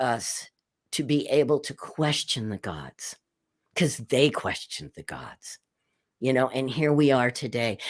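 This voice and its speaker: The sound is dry and close with no echo, on a very clean recording with a silent background. Speech moves at a fairly slow pace with long, frequent pauses. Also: man. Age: 60s. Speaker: druid order member. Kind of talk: casual chat.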